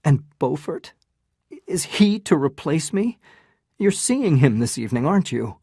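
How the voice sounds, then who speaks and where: A torn, earnest young man from a storybook speaks urgently and insistently, read by a man. His pace is slow and his tone mellow. The recording is dry and close. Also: a little high, sing-song, vocal fry, husky, dry recording, voice pushed up, full character voice. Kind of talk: dramatized story reading.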